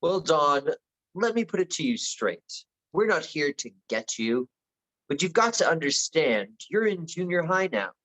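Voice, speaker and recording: A man's voice: on the high side, very animated, measured pace, fairly bright tone, low-quality recording. Stern school principal, a man acting. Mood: admonishing. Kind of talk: table read acting.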